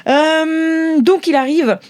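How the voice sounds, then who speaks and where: A woman's voice: high-pitched, takes it slowly, a little mellow. A woman improvising narration as a game master, playful and theatrical, bantering with her players.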